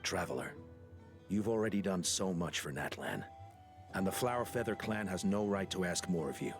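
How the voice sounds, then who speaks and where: Low, grave tribal chief. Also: male voice, expressive, moderate pace, faint music behind. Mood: grave, concerned. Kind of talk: video game character dialogue.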